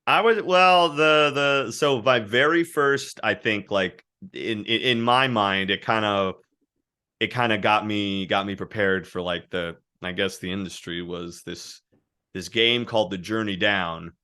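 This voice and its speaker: A man who works as a voice actor, chatting as a guest and telling animated stories about his work. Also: lowish voice, measured pace, clear, resonant tone. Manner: animated, anecdotal storytelling. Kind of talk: casual interview chat.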